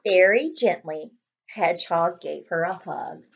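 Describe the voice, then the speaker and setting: A woman reading a children's storybook aloud as host, expressive and speaking directly to young listeners with friendly asides. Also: lowish voice, unhurried, vocal fry, husky, dull audio. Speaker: read-aloud host, librarian.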